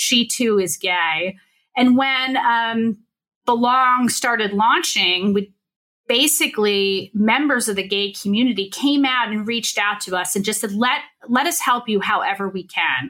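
A woman talks fairly slowly in an ordinary speaking voice. Her pitch is fairly high, with ordinary variation. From US Midwest, born in Upper Peninsula, Michigan. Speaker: CEO and former private equity executive. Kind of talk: interview conversation.

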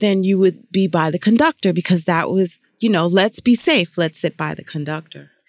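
A woman's ordinary speaking voice at medium pitch, with lively intonation and a moderate pace, on a very clean recording with a silent background and a dry, close sound with no echo. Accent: American. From New York City (Harlem and the Bronx). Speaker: learning and development executive, former professor. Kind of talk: interview.

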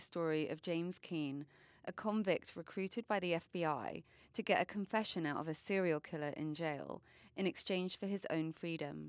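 A woman speaks in an unremarkable speaking voice, fairly low in pitch, at a fairly quick pace with ordinary pitch variation. The recording is very clean with a silent background. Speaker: awards editor interviewer. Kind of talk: casual interview.

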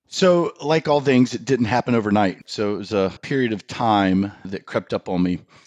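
A plain, everyday voice from a man with an American accent, medium in pitch, at a moderate pace with hardly any pauses. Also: lively intonation. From North Carolina. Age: 50s. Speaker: army veteran and fitness program client. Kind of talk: podcast interview, personal story.

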